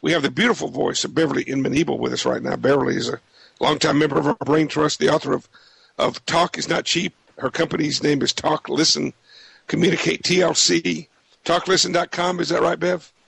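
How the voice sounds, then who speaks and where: Raspy, gravelly man hosting radio. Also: fairly high pitch, fairly even intonation, fairly quick, fairly bright tone, no room sound. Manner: folksy, stumbles and repeats words. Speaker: radio show host. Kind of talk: casual radio talk show.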